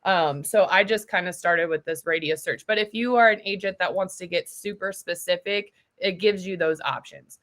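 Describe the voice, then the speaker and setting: Lower-voiced woman giving a casual tutorial. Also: normal speed, hardly any pauses, fairly bright tone. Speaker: trainer for real estate agents. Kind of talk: casual step-by-step software tutorial.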